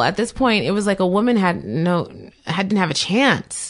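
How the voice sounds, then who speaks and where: At a moderate pace, a woman speaks in a medium pitch with vocal fry. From San Francisco, California. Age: 30s. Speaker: entertainment industry professional. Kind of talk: casual chat. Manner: halting.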